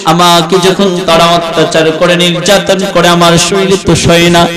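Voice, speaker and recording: High-pitched chanting preacher. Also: male voice, little pitch movement, normal speed, over music. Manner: melodic chanting storytelling, soaring high cries. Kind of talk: sung sermon.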